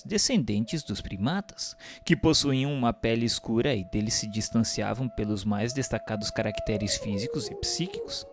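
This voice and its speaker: A man delivers a scripted narration with solemn formality. His mid-pitched voice moves expressively up and down through long literary sentences. Music plays behind him. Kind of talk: scripted narration of a spiritual history text.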